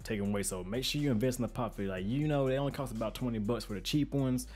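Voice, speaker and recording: A man with a deep, bassy voice hosting an informal, conversational tutorial in slangy everyday speech, recorded close on a studio microphone. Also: very fast, darkish tone. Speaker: music production tutorial host. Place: untreated home studio room with reflection filter. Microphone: studio microphone with pop filter, close up.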